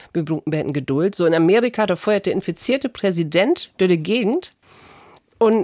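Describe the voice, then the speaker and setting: In a dry, close sound with no echo, a woman talks at a moderate pace with ordinary pitch variation. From Lüneburg Heath, Lower Saxony. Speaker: radio host. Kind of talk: casual interview in Low German.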